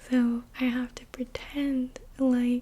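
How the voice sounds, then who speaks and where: A woman is whispering. She is soft-spoken. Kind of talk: ASMR ramble about her day, casual talk to camera. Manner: soft-spoken, whispered.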